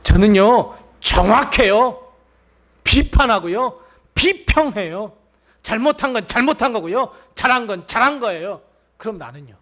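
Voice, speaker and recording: A male pastor delivers a sermon in a high, lively voice that swoops across a wide range. He preaches with animation, acting out the voices of the people he quotes. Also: unhurried.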